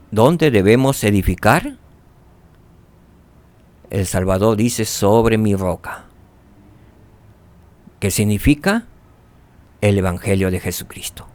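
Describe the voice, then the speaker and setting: Man teaching a scripture lesson, lively rising and falling pitch, dry close sound. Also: dry recording. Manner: animated, rhetorical questions, drops to soft tones for emphasis.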